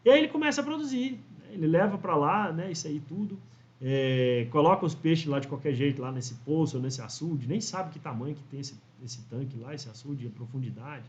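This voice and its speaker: Man, 40s, high-pitched chatty teacher, muffled lo-fi audio. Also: a little fast. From Brazil. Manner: chatty storyteller, frequent "né?" tags, acts out quoted voices. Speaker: fish farming consultant and teacher. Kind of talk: casual instructional talk to camera. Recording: dull lo-fi audio.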